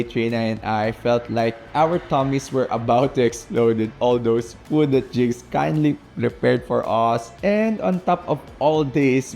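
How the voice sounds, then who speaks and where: Man, Filipino accent, native Tagalog speaker, medium pitch, vlog storytime narration, background music. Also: a little mellow. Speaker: vlogger.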